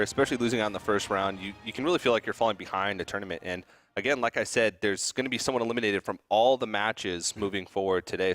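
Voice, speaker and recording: A man explaining the format and stakes of an esports tournament in a clear, step-by-step way. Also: lowish voice, fairly bright tone. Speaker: esports caster.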